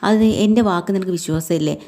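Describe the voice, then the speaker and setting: Woman doing a gentle, reassuring young husband. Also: on the low side, fast, lightly acted.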